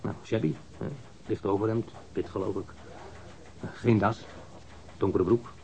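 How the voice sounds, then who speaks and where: Hesitant male witness for radio play: somewhat low voice, halting colloquial answers, offhand under questioning. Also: steady tone, creaky, mellow, poor audio. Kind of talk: radio drama acting.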